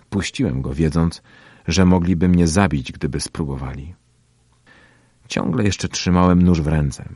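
A man with an extremely deep, husky voice narrates a first-person audiobook. His delivery is steady and measured. The sound is dry, close to the microphone. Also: dry recording.

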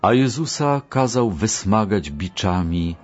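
Brief: solemn male narrator for a scripture reading, deliberate and measured, lo-fi sound. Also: on the low side, animated. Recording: muffled lo-fi recording with faint music.

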